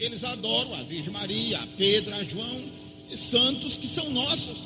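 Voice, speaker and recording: A man talks at a high pitch with very wide pitch swings. Audible room echo and noticeable background noise surround him. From Brazil. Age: 60s. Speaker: pastor. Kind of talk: sermon.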